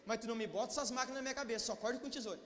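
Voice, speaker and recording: A young man preaches in a reverberant church hall. His voice sits very high for a man. He moves between hushed storytelling and loud, fervent exhortation. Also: rapid-fire. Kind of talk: sermon with storytelling.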